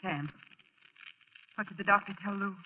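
A woman's voice: medium pitch, moderate pace, background noise, natural voice. An actress playing a brave, devoted young wife who hides her grief, tender and earnest, in 1940s radio drama style. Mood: worried, pressing. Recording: muffled old radio, long reverberation.

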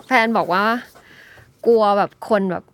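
A woman from Thailand chatting casually as a podcast guest, explaining things in a loose, informal way. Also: unhurried. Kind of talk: casual chat.

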